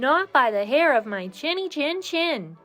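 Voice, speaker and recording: A woman uses a put-on character voice, high in pitch and fairly slow, with faint music in the background. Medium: read story.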